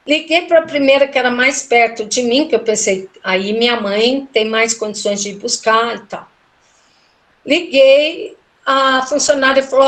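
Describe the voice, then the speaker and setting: A middle-aged woman with a fairly high voice tells a personal story in relaxed conversation. She retells it with feeling and slips into the voices of the people she quotes. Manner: emotional, animated retelling with quoted dialogue. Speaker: guest telling a personal story. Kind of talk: casual storytelling interview.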